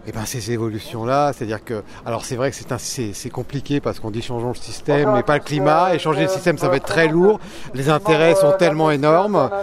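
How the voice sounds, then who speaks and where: A man answering an interview spontaneously, halting and repeating words as he searches for them. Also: mid-range voice. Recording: loud crowd noise behind.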